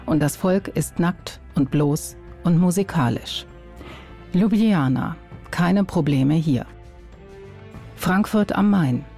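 A woman playing a formal, deadpan newsreader in a satirical scripted radio bulletin. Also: lowish voice, slow, pauses often, faint music behind.

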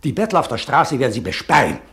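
A man's voice: medium pitch, sing-song, quick pace, fairly bright tone. A man acting in a German radio play as a bitter, unforgiving exile, impassioned and declamatory in his accusations. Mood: cold, condemning.

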